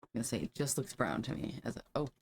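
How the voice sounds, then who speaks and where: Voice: medium pitch, big pitch swings, quick pace, creaky, a little hiss or hum. A game streamer making casual conversation during a playthrough. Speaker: streamer reading game dialogue aloud.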